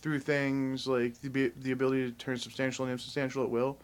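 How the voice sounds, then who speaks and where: A man's voice: mid-range voice, flat delivery, fast talker, smooth. This man in his thirties is a guest on a casual podcast. He talks in a rambling way, slipping into long, nerdy tangents. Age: 30s. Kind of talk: casual chat.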